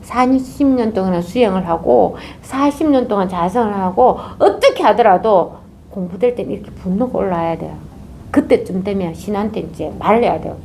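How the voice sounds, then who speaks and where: Animated woman. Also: medium pitch, normal speed, gravelly, slight background noise. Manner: animated, acts out characters. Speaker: Zen meditation teacher. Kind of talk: dharma talk with storytelling.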